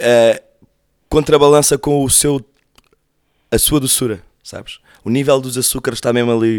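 With long, frequent pauses, a man of medium pitch speaks in fairly even intonation. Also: moderate pace. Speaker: podcast host. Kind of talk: casual chat.

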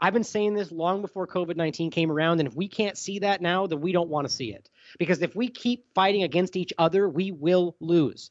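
Hardly pausing at all, the speaker moves along at a fairly quick pace. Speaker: independent journalist. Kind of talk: interview.

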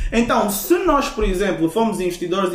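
Clearly audible background noise and room echo surround a man talking fairly quickly. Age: young. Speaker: podcast host, investment mentor. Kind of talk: casual interview chat.

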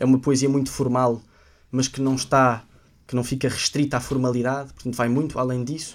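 A man at a very fast pace in a very clean recording with a silent background. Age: 20s. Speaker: football coach and commentator, author. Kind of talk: interview.

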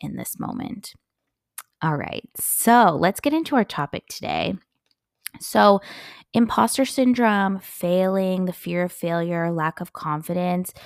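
A woman's fairly slow pace with lively intonation. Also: medium pitch for a woman, big swings in loudness, dry, close sound with no echo, very clean recording, silent background. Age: 30s. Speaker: life coach and podcast host. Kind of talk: solo podcast monologue. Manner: animated.

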